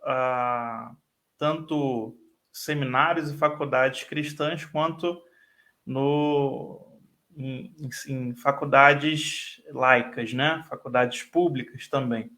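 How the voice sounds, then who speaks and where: A man's voice: medium pitch, fairly even intonation, drawn-out words, pushed and bright. A man with a Rio de Janeiro carioca accent, a guest professor speaking fluently in a live online interview, often tagging his sentences with "né". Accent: Brazilian Portuguese, Rio de Janeiro (carioca). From Brazil. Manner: fluent, explanatory, frequent "né" tags.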